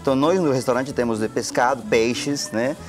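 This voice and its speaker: A middle-aged Peruvian man, a native Spanish speaker with a marked accent, answers on a handheld mic in a bright TV studio. His speech is mid-pitched, courteous and halting, full of little "eh" pauses, while soft music plays underneath. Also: fairly even intonation. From Peru. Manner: polite, hesitant, many "eh" fillers. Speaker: restaurant owner guest. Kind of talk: studio interview. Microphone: handheld microphone.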